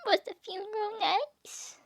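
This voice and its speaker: An actress playing a sweet, naive little companion in an audio fairy-tale comedy. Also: female voice, very high-pitched, measured pace, vocal fry, heavily acted. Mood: sympathetic.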